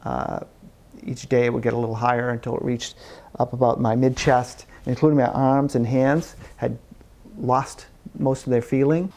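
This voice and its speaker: Mellow-voiced retired man recalling. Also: medium pitch, fairly even intonation, moderate pace. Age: older. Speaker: interviewee. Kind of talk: documentary interview, recounting.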